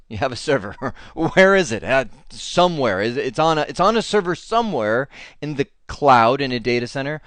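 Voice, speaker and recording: A man teaching a casual IT lesson, talking in an animated, rambling way with many fillers and restarts. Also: mid-range voice, smooth, dry recording. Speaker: IT instructor.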